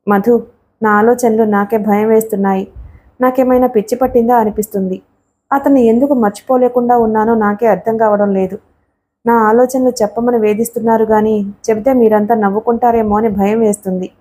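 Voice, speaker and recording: A withdrawn, lovesick young female student who snaps back in short, curt replies, as a woman narrator puts her on. Her voice sits high, with a soft, mellow tone. It is a Telugu audiobook reading. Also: steady tone, a little fast, lightly acted. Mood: troubled.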